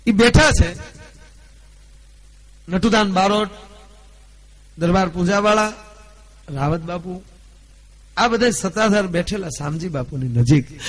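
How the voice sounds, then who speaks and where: A man, telling folk stories at a live gathering, declaiming loudly at his peaks and then dropping to a low, confiding tone. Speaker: folk storyteller. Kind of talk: live folk storytelling (dayro).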